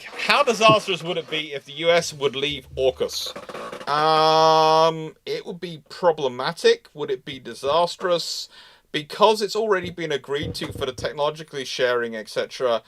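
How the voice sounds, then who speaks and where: A man's voice: medium pitch, fairly bright tone. A man hosting a live question-and-answer on naval history, explaining in a rambling way and often restarting his phrases. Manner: rambling, repeats and restarts phrases mid-sentence. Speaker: host of a live Q&A show.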